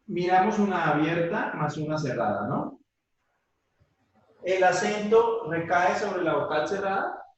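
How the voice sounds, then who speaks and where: A man's voice: sits high, animated, unhurried, lo-fi sound. Man teaching in a very echoey classroom. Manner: patient, checks in often with questions to students. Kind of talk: classroom grammar lesson. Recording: very echoey room, voice from far off.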